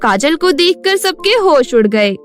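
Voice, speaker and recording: A woman narrates a scripted story in a high-pitched voice. Music plays behind the narration. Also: big pitch swings, measured pace.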